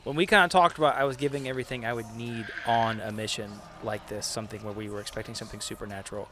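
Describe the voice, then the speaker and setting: A man's voice: on the low side, fairly even intonation, fast, a bit bright, slight background noise. A man playing a tabletop game, casually rambling with many restarts. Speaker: player. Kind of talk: casual chat.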